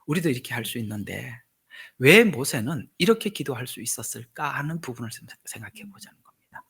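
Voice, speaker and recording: A male pastor preaching a sermon, acting out prayers and rising to loud, emphatic questions. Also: medium pitch, animated, a little fast, vocal fry, husky.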